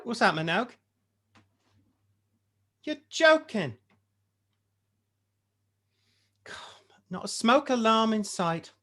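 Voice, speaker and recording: A woman's voice: on the high side, very animated, slow, fairly bright tone, exaggerated voice. A woman playing a friendly, literal-minded policewoman in a comedy table read, chatty and matter-of-fact. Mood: disapproving. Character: friendly, concerned, literal-minded policewoman gently scolding partygoers.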